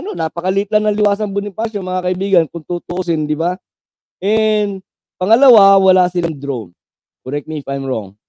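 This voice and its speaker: A man's voice: fairly high pitch, mellow, no echo. A man from the Philippines giving casual live political commentary, talking to viewers as friends with constant tag questions, sliding English phrases in, and a mocking, sarcastic edge. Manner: mixes English phrases into his talk.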